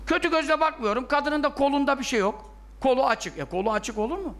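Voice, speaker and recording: A man's voice: extremely high pitch, expressive, brisk. A man giving a religious lesson in an emphatic, scolding way, full of rhetorical questions that he answers himself. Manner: rhetorical questions, acts out objections. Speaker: religious teacher.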